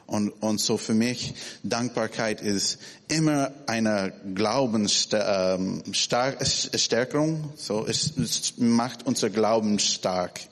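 Slow, halting man in a reverberant hall. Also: fairly low pitch. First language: not German. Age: 40s. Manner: halting, searching for words, many restarts. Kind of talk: informal church talk. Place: church hall.

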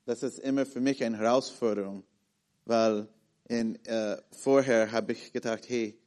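A man in his thirties with an American accent, preaching in a halting way with many fillers and restarts as he searches for words. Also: medium pitch, darkish tone. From born in Malaysia, raised in the USA and the Philippines. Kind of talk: sermon with personal story.

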